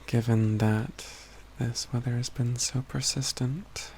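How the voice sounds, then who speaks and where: A man's voice: mid-range voice, steady tone, darkish tone, slight background noise, poor audio. A man playing a composed, learned mage companion in a fantasy ASMR roleplay, speaking in formal, old-fashioned phrasing with a dry, teasing wit. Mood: thoughtful, explaining. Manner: measured, formal old-fashioned wording, dryly wry.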